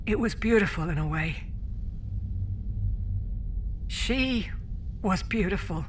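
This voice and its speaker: An actress playing a weary but composed starship captain in a science fiction audio drama, speaking in a measured way. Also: female voice, medium pitch, expressive, a little hiss or hum, lightly acted. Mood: wistful, formal.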